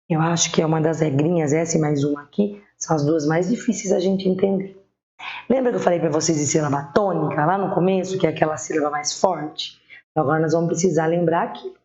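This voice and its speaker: A woman with a Brazilian accent teaching primary school children spelling, patiently sounding out words slowly. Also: fairly low pitch, mellow. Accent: Brazilian Portuguese. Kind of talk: online spelling lesson. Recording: echoey room, dull lo-fi sound.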